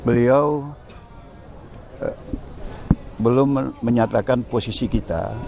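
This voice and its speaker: A man giving a formal statement to the press, speaking in a measured, deliberate way with frequent pauses and fillers. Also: mid-range voice, creaky, darkish tone, slight background noise. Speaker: political appointee speaking to press.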